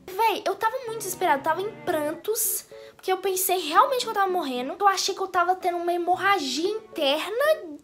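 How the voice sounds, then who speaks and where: A young woman with a Brazilian accent telling a comic story in a dramatic, animated way for her vlog. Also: very high-pitched, fairly quick, faint music behind. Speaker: YouTuber.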